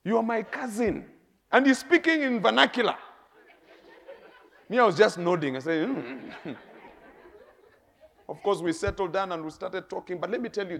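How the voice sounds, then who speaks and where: A middle-aged man with a Kenyan accent, preaching a sermon with lively stories, laughing and swinging between soft and loud. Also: high-pitched. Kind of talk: sermon with storytelling.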